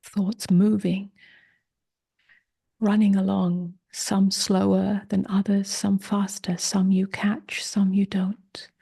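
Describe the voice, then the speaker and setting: A woman guides a meditation in a soft, mellow voice that often drops close to a whisper. Her delivery is very unhurried, with gentle short phrases and long pauses. There is a noticeable creak at the edges of her words. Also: mid-range voice, level tone. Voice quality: soft, breathy, husky, often near a whisper. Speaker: meditation teacher. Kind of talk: guided meditation, slow and spoken softly.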